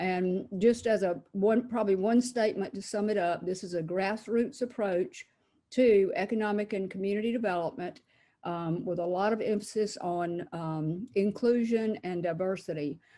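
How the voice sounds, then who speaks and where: A woman speaks with a Southern US accent in a dark, mellow tone at medium pitch, with ordinary pitch variation. The recording is very clean, the background silent. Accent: Southern US (Georgia). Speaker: local official presenting to county board. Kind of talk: public meeting presentation. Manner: fast.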